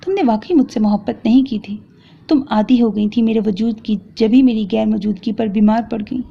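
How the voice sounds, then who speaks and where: A woman's voice: on the high side, gravelly. A woman reading the lines of an angry young man who harshly accuses and lectures his wife, in a romance audio novel. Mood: angry, accusing. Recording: dull lo-fi recording.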